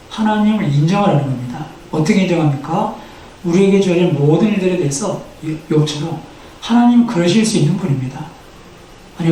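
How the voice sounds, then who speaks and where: A male pastor preaches to his congregation, posing rhetorical questions and having them repeat lines back to him. His voice sits high and mellow. It rings through a reverberant church hall, picked up from some distance with a faint hum of room noise. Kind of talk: sermon. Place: church sanctuary. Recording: echoey church hall, from the mic.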